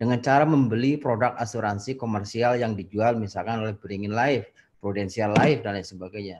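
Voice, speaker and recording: A man's speech unfolds at a moderate pace. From Indonesia. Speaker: professor. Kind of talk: lecture. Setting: video call. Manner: casual. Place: hall. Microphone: video call.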